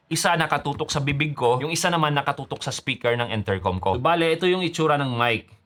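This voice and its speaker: A man's voice: on the high side, expressive, quick pace, fairly bright tone. A man with a Filipino accent explaining gear step by step in a casual, conversational vlogger style, mixing in English phrases. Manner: conversational, switches between Tagalog and English. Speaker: motovlogger and presenter.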